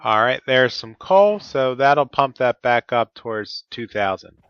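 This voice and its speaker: A man's voice: mid-range voice, animated, a little slow, a bit bright, clear, resonant tone, dry recording, lo-fi sound. A man with a stuffy, cold-affected voice, talking methodically through each step of his gameplay. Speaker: Let's Play host. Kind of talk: casual gameplay commentary.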